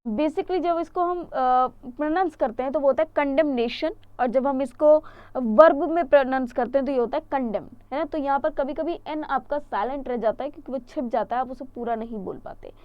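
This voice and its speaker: A woman's voice: high voice, dry recording, muffled recording. A young Indian woman teaching English vocabulary in an online exam-prep lesson, explaining and asking questions she answers herself. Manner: chatty explaining, asks questions and answers them.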